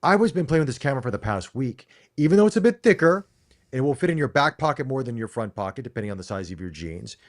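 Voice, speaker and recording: A man's voice: mid-range voice, a little mellow. A middle-aged American man co-hosting a casual live-stream chat, talking emphatically and often restarting his phrases. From United States. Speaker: co-host.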